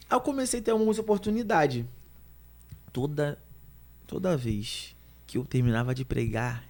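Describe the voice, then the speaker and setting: Fast-talking gravelly Brazilian man. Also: medium pitch, darkish tone. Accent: Brazilian Portuguese. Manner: fast-talking, stumbling restarts. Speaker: guest preacher. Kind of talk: animated storytelling in conversation.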